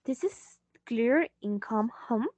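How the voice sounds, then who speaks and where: Woman English teacher, slow and patient delivery, fairly high voice, dull dry call audio. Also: expressive, a little mellow, no room sound. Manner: slow, patient, switching into Spanish to explain. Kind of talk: online English lesson.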